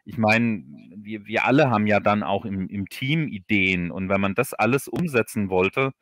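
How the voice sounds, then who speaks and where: A man's voice: lowish voice, normal speed, a bit bright, no echo, studio quality. A man from Hesse, Germany, talking casually as a guest author in a livestream interview, often repeating words as he thinks. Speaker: guest author of audio dramas.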